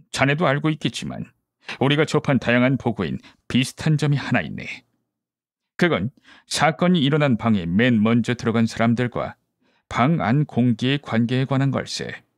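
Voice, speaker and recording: A man performs a brisk male detective from an audiobook mystery. He lays out deductions methodically and gives orders with assurance. The voice sits at a medium pitch in a dry, close sound. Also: dry recording, close to an everyday voice. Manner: deductive, explanatory, commanding. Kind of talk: audiobook character dialogue.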